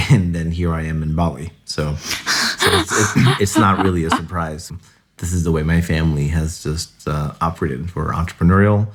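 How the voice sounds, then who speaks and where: A young adult man from the United States, a podcast guest chatting casually about his family, rambling with lots of "like"s. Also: a bass voice. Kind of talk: casual interview storytelling.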